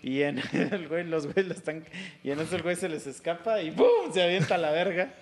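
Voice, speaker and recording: A man's voice: a little high, a little fast, a little hiss or hum. A young man with a Mexican Spanish accent, co-hosting a podcast in crude, slangy casual chat. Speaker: podcast co-host.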